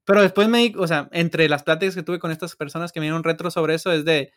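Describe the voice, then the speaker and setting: A young man with a Mexican Spanish accent, chatting casually as a software engineer guest, loose and slangy and often laughing. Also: fairly high pitch, steady tone, fast. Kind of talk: casual podcast chat.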